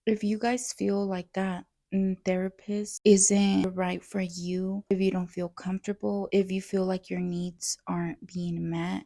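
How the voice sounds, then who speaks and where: A woman's voice: lowish voice, vocal fry, mellow, no echo, clean studio sound. A young woman vlogger talking heartfelt to her viewers in a casual chat, with a stutter that repeats sounds.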